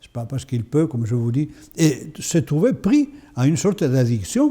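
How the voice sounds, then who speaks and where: A man with a fairly high, somewhat breathy voice and a dark, mellow tone talks at a moderate pace, his intonation lively and his loudness swinging widely. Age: 80s+. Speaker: priest and exorcist. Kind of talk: lecture. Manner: conversational, many verbal tics.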